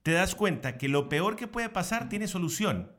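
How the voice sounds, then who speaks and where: A man's voice: high-pitched, expressive, moderate pace, fairly bright tone. A man, co-hosting a casual chat with his partner in a playful, teasing, matter-of-fact way. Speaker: co-host.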